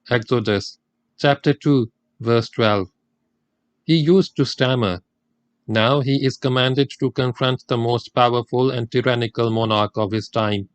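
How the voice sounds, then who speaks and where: A man narrating a religious audiobook in a measured, formal reading style. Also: mid-range voice, dry recording.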